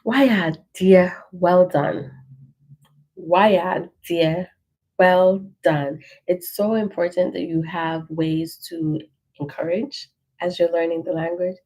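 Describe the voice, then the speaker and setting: A woman teaching a language lesson, reading through an ebook page by page and slowly repeating phrases to encourage learners. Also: fairly low pitch, steady tone, darkish tone, low-quality recording.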